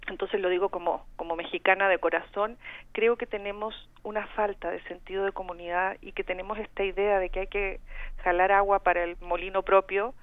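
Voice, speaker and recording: A woman's voice: medium pitch, little pitch movement, a little fast, no room sound. A middle-aged Chilean woman calling in to a radio talk show as a community organizer, speaking earnestly with many restarts. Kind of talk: phone-in radio discussion. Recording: tinny phone line.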